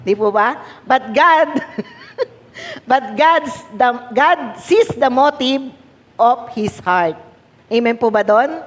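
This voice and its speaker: A high-pitched woman with a Filipino accent delivers a sermon as pastor, moving between Tagalog and English. She repeats key words and keeps asking the congregation to respond. Her voice rings with long reverb in a church hall.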